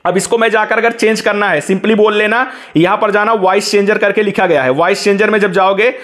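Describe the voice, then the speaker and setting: Fast-talking high-voiced man tutor. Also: steady tone, a bit bright. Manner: instructive, keeps saying "look" to guide viewers. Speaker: tech tutorial host. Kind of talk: screen-recorded app tutorial. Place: voice-over on a phone screen recording.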